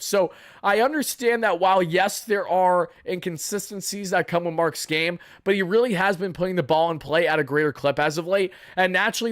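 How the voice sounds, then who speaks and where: A young man, hoarse from yelling, chatting through a baseball game recap for live viewers in a casual, boastful way. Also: high-pitched, dry recording, studio quality. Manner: chatty, boastful fan banter. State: raspy from yelling. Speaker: sports fan channel host.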